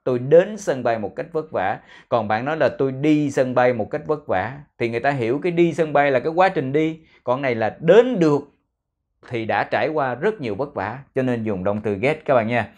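A man's voice: medium pitch, lively intonation, darkish tone. A man with a Vietnamese accent teaching English pronunciation, repeating each word several times for practice. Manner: repeats words slowly for drilling. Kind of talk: pronunciation lesson with drills.

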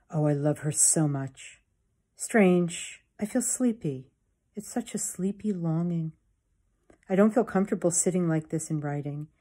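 A woman's voice: lowish voice, warm tone. A woman in her sixties reading a diary aloud at home into a phone. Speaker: diary reader. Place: book-lined room at home. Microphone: phone at arm's length.

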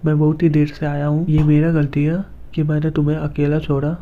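A man voicing a fierce young man who threatens coldly and protects a woman he cares for, read in a flat, even way. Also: fairly high pitch, fairly quick, natural voice. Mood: gentle comfort. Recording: dull lo-fi recording.

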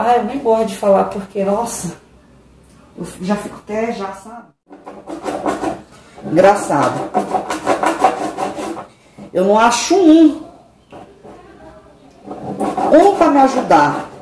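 Middle-aged woman, confiding kitchen chat, echoey room with background noise. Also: mid-range voice. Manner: chatty, confiding, dramatic sighs. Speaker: vlogger. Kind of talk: casual chat. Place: home kitchen.

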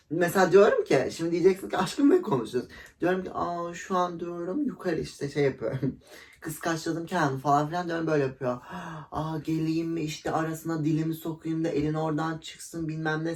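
A woman's voice: deep voice, a little mellow. A young woman telling a story in a casual vlog, gossipy and dramatic, acting out quotes with laughter. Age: young adult. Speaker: vlogger.

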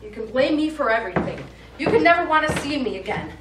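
A woman's voice: high voice, animated, fast talker. A woman acting a frantic, worn-out ventriloquist with theatrical emotion in a live stage play. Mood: weary, pleading. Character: frantic, worn-out female ventriloquist unravelling before a show. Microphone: far camera. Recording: distant noisy echoey stage camera recording.

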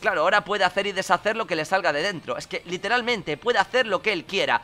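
A man's voice: sits high, lively intonation, fast talker, pushed and bright. A young man, commentating his online game match with frequent swearing and exasperated outbursts. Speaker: gaming commentator. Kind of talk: live gameplay commentary. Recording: game music playing faintly behind.

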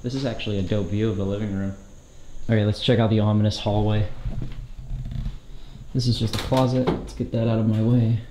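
A young man vlogging casually as he explores an abandoned house, talking excitedly to viewers in slangy speech on a handheld camera. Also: on the low side, brisk, pauses often, slight background noise. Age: young adult. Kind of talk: casual walkthrough narration. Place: empty abandoned house, large indoor rooms. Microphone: handheld action camera. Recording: echoey empty rooms.

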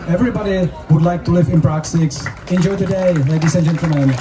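A man with a Czech accent interpreting formally and in measured phrases as a host on an open-air festival stage. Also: on the high side, steady tone, crowd noise. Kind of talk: live consecutive interpreting at a public event. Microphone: handheld mic through PA, recorded from audience. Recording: roomy, distant stage PA sound with noise.

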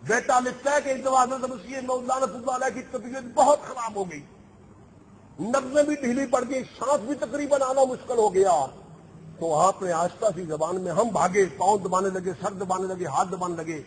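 High-voiced mocking preacher. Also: male voice, slight background noise. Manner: mocking, animated storytelling with quoted dialogue. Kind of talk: storytelling sermon.

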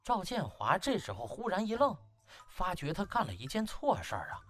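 A man's voice: high voice, wildly swooping pitch, moderate pace, a bit bright, faint music behind. A man narrating a comic novel as an audiobook in a theatrical, dramatic storytelling manner.

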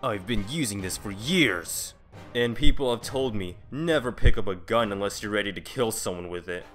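A man's voice: fairly low pitch, moderate pace, fairly bright tone, faint music behind, lightly acted. An actor playing a hot-headed, foul-mouthed young tough guy in an audio drama, aggressive and indignant. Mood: threatening.

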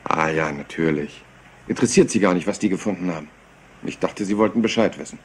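An actor playing a rumpled, seemingly scatterbrained police inspector in a German crime radio play, rambling and deceptively polite. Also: male voice, low-pitched, brisk, breathy edge. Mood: casually probing. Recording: noisy retro radio play.

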